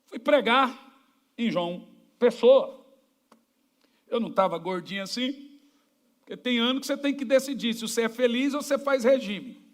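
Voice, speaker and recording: A middle-aged Brazilian man preaching as a pastor, telling stories with jokes and sudden shouts. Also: very high voice, moderate pace, pauses often. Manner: jokey, animated, shouting at times. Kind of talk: preaching sermon with storytelling.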